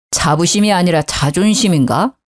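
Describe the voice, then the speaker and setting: A woman's voice: on the low side, a little slow, pitched below the performer's own voice. A woman doing a sneering, scornful husband. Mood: condescending. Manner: mocking, condescending. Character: belittling adult husband, sarcastic.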